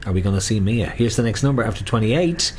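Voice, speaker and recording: A man's voice: on the low side, animated, quick pace, a little mellow, slight background noise. An Irish man hosting as a bingo caller, calling numbers with traditional rhymes in a sing-song way, repeating them, and chatting casually between calls.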